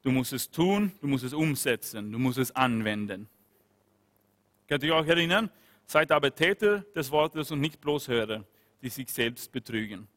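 A man's voice: medium pitch, lively intonation, normal speed, fairly bright tone, big-room sound. A man giving earnest sermon-style Bible teaching, repeating phrases and asking his listeners questions.

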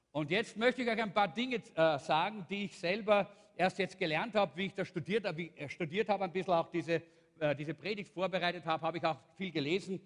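High-voiced pastor in a reverberant hall. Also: male voice. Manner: animated storytelling, acting out the characters. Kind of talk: sermon retelling a Bible story.

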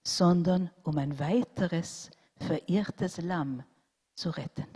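A woman voicing God as a calm shepherd, speaking softly, slowly and in a hush. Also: on the low side, husky. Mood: gentle. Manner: soft, slow and hushed. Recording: long hall reverb.

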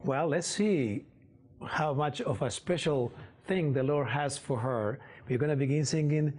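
A man hosting a Christian music TV show who interviews his guest, often pausing on fillers and chiming in with affirmations. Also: on the high side, darkish tone. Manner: hesitant with fillers, frequent affirmations. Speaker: host.

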